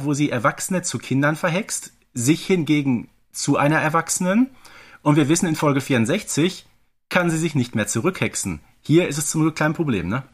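A man's voice: fairly high pitch, husky. A man co-hosting a casual podcast, speaking in an emphatic, conversational way. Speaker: podcast co-host.

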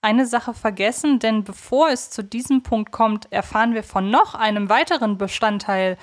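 A woman in her thirties co-hosts a conversational podcast discussion, thinking aloud in long, winding, reflective sentences. Her voice is fairly high and she keeps a moderate pace.

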